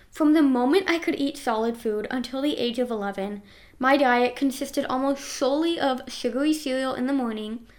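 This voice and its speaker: A woman in her twenties reading her own personal memoir aloud in an earnest, reflective way. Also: sits high.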